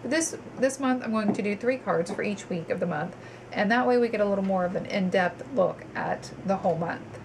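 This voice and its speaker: A woman's voice: mid-range voice, brisk, noisy background. Stuffy-nosed woman reading tarot cards. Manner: chatty, with frequent ums and restarts. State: stuffy, congested. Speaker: tarot reader. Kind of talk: monthly tarot reading to viewers.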